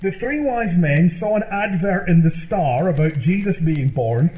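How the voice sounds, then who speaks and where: A man with a high voice plays earnest, huffy radio comedy. The sound is thin and phone-like, with a roomy echo around him. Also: expressive, a little slow. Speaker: comedy show host performer. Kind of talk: scripted old-time radio comedy sketch. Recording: narrow tinny, roomy, faintly noisy radio sound.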